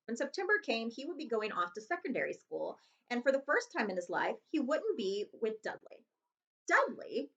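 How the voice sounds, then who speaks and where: A woman librarian reading a children's novel aloud in an expressive storytelling style. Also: a little high.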